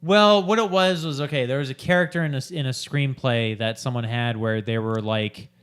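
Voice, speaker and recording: A man co-hosting a podcast, chatting casually and hesitantly with many pauses and fillers. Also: medium pitch, a bit bright, clear, resonant tone. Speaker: podcast co-host. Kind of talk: casual chat.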